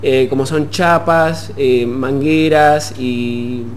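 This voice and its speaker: A young man with an Argentine accent, explaining his work haltingly as a musician guest in a studio interview. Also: medium pitch, steady tone, a little hiss or hum. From Puerto Madryn, Argentina. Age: young adult. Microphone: desk gooseneck microphone.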